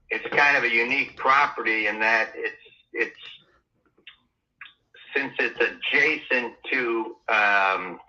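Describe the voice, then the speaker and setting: Here a home seller on the phone sounds sharp in a mid-range voice, speaking slowly and pausing often. He hesitates throughout, stumbling over fillers and restarting sentences, and the line sounds tinny.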